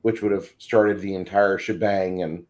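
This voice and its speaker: A man's voice: sits low, fairly even intonation, moderate pace, darkish tone. Opinionated man in casual discussion. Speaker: panelist and game master.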